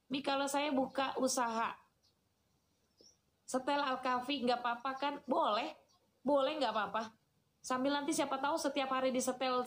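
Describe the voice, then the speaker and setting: A woman, giving a lively, chatty sermon and answering questions from the audience. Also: a little high, a little hiss or hum. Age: 40s. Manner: chatty, teasing, addresses listeners as "Kak". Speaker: Islamic preacher.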